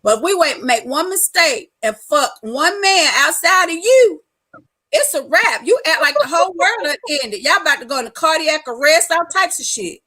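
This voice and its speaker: A woman chatting casually on a live stream, telling loud, laughing stories full of frank slang. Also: high voice, expressive, normal speed. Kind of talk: casual chat.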